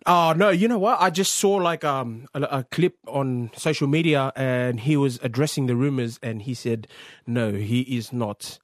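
A man's voice: mid-range voice, moderate pace, hardly any pauses, no room sound, clean studio sound. A man co-hosting casual sports radio banter, joking and laughing readily. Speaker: co-host.

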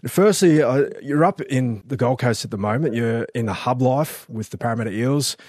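A man's voice: mid-range voice, normal speed, darkish tone, no echo, studio quality. A man co-hosting a podcast, chatting loosely about sports and interviewing a guest. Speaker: podcast co-host. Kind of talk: casual sports chat and interviewing.

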